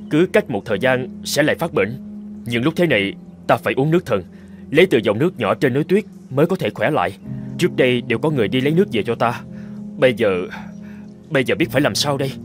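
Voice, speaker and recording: A man voicing a brawny tribal chief in an animated fairy tale, earnest and theatrical. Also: medium pitch, fast, faint music behind, close to an everyday voice. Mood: feigned weakness. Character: brawny male tribal chief, scheming captive husband.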